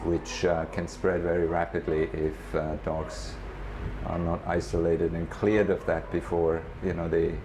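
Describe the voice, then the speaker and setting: A man guides a walking tour of an animal rescue center, his voice low and flat at a measured pace. He hesitates often and uses many fillers as he explains. The recording is outdoors and noisy, with dogs barking.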